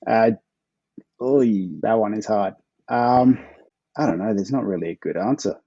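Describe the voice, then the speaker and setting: A man's voice: lowish voice, measured pace, warm tone, slightly rough, no echo, muffled recording. An Australian man being interviewed as a guest author, answering in a laid-back way with frequent chuckles.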